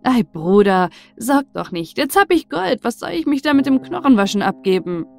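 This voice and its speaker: A woman's voice: fairly high pitch, very animated, normal speed, gravelly, darkish tone, soft background music. A woman voicing a cheeky, carefree male soldier in a fairy tale, breezy and protesting. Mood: defiant. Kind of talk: fairy-tale storybook character voice.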